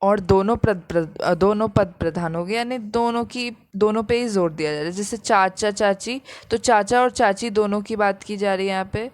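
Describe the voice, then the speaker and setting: A woman's voice: mid-range voice, moderate pace, hardly any pauses, dry recording. A woman teaching a grammar lesson, patiently repeating each example and explaining it step by step.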